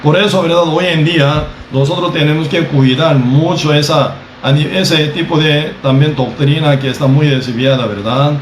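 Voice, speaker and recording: A male preacher delivers a measured sermon, speaking with a slightly higher-than-usual voice. He keeps checking in with his listeners as he teaches. The recording sounds roomy and echoey, with faint ambient noise behind him. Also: steady tone. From Costa Rica. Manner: measured, repeats "¿verdad?" often.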